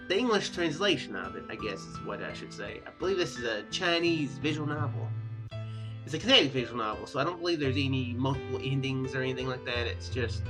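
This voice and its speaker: A man hosting a gaming series in a casual style, hesitant and rambling, talking and reading story text aloud. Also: medium pitch. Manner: hesitant, rambling, self-correcting. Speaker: host of a Let's Play gaming series.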